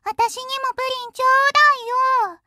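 A small, jealous little sister, wheedles in a pouty, childish whine. The voice is tiny and extremely high. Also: female voice, flat delivery, fast talker, sharp tone, no echo, studio quality, full character voice. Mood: pouting, pleading. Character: whiny, jealous small girl, youngest sister.

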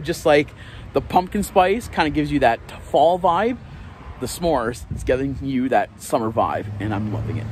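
A man's voice: a little high, a little hiss or hum. A man in his thirties chatting casually to his phone camera at arm's length, rambling and correcting himself with small laughs. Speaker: vlogger. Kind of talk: casual daily vlog to camera. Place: outdoors by a parking lot and indoors on an armchair. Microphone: phone held at arm's length.

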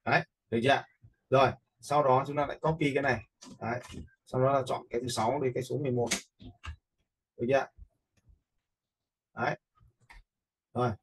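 A man giving a casual, step-by-step software tutorial, informally checking in with listeners as he goes. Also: medium pitch, steady tone, a little fast, long pauses, husky, low-quality recording. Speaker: video editing instructor. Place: indoors, voice-over for a screen recording.

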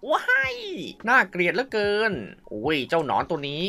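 A man's voice: fairly high pitch, big pitch swings, normal speed, bright, forceful tone. A man giving playful mobile game commentary, full of exclamations and mouthed sound effects. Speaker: mobile game YouTuber and host.

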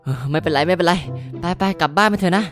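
A woman's voice: on the low side, fast talker, soft background music, lightly acted. Woman playing a nervous teenage boy, polite, stammering, flustered, game cartoon. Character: nervous kind-hearted teenage boy hero.

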